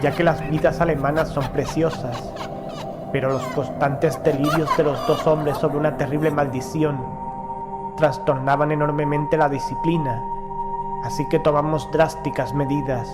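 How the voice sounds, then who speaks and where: A man reading a first-person horror story as an audiobook narrator, in a measured, formal storytelling delivery. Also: a little high, fairly even intonation. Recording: music behind the voice. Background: background music.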